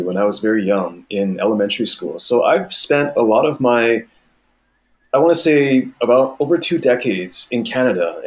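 A man in his thirties from Taiwan, a podcast guest talking in a casual, thoughtful way with small restarts. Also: mid-range voice. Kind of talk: casual interview chat.

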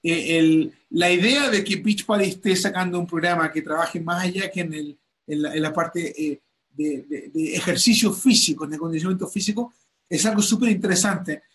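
A man's voice: high voice, normal speed, a bit bright. A male host talking animatedly on a call, with many fillers and restarts. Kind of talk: enthusiastic call interview.

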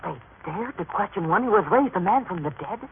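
A man's voice: high-pitched, lively intonation, fairly quick, a little hiss or hum. An actor playing an earnest, eager young man full of urgent wonder in a vintage radio drama. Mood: awed. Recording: tinny old radio recording, crowd behind.

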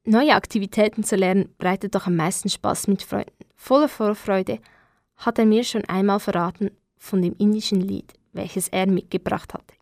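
A woman's voice: medium pitch, fairly even intonation, moderate pace, vocal fry, darkish tone. A woman presenting a radio segment from a script in an upbeat tone. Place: radio studio.

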